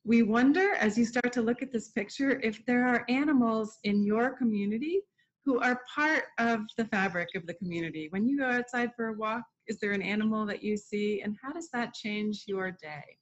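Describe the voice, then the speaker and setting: A woman's voice: a little high, normal speed. A middle-aged woman presenting an informal educational art lesson for children from a room at home over a video call. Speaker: museum educator hosting an online art lesson. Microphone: computer mic on a video call. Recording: dull, lo-fi video call audio.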